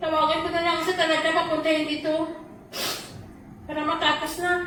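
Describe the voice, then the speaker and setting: Through audible room echo, a woman speaks at a very fast pace. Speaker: housemaid. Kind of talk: heated argument. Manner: halting.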